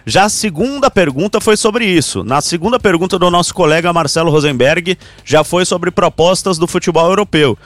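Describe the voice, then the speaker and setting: A man talks football on a sports show. His voice sits a little high, and he explains things in an even, methodical way. The sound is close and dry. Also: moderate pace, hardly any pauses, dry recording. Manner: steady, explanatory, cites figures. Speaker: sports radio commentator. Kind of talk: sports talk show discussion.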